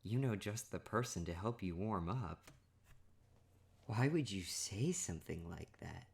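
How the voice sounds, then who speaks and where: A young man in an ASMR boyfriend roleplay, talking playfully and teasingly, laughing often and sometimes dropping to a hush. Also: sits low, animated, a little slow, gravelly, husky. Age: young adult.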